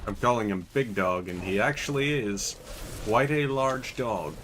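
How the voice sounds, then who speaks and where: Playing a game, this Irishman who runs a gaming channel chats and rambles in commentary loaded with fillers. He sounds fairly low, animated, unhurried, and a bit bright, with a touch of hiss or hum on the recording.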